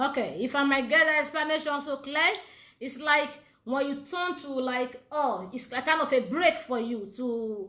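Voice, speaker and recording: A woman's raised, projected voice, high in pitch with a bright, sharp tone, at a moderate pace. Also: ordinary pitch variation. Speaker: police officer and live-stream host. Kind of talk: live video interview. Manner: switches to Nigerian Pidgin.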